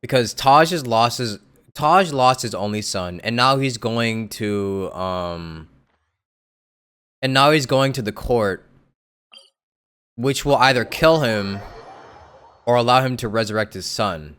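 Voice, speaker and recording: A man's voice: medium pitch, lively intonation, slow, long pauses, a bit bright, clean tone. A young man giving casual, joking, slangy live commentary as a game streamer.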